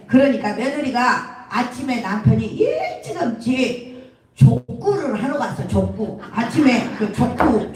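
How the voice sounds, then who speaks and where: A woman comedian tells a story live on stage, chatting and laughing with the crowd. Her voice sits high. The sound is distant and drenched in hall echo. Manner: chatty, laughing, talks to the audience. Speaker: comedian and singing instructor. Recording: echoey hall, far from mic.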